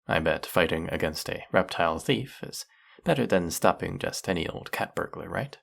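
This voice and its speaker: A man acting in an intimate audio roleplay as a lonely, courteous, smitten snake-headed villain, soft-spoken and flirtatious with a creaky voice. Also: low-pitched, expressive, normal speed, exaggerated voice. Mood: shyly flirtatious.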